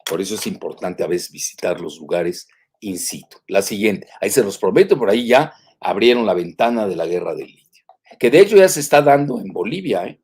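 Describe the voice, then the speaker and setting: Older Mexican man hosting a live analysis show, low husky voice, rambling with lots of fillers and self-corrections. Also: lively intonation, fairly quick, darkish tone. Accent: Mexican Spanish. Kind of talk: live commentary, reading and remarking on news.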